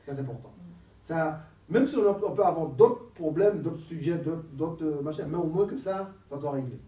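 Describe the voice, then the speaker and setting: A man with a cold leading a Christian talk on marriage, casual and lively, laughing often and repeating words. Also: fairly high pitch, moderate pace, muffled recording. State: has a cold. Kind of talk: casual teaching talk with a group. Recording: echoey room, from a distance, faint noise.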